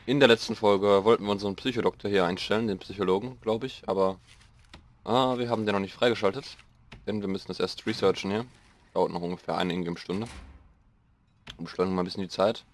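A young man with a slightly hoarse voice, rambling casually through gameplay commentary and mocking himself as he goes. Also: fairly low pitch, fairly even intonation, quick pace. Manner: rambling, self-mocking, thinking aloud. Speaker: let's play host.

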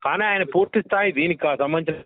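On a leaked phone call, a man argues his opinion firmly and emphatically, hesitating often. His voice is a little high, he talks fast, and there's no echo.

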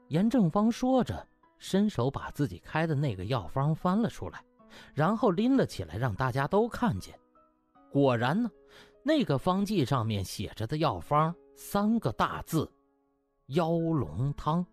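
A man narrating a comic web novel as an audiobook in a lively storytelling style. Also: on the high side, moderate pace, soft background music.

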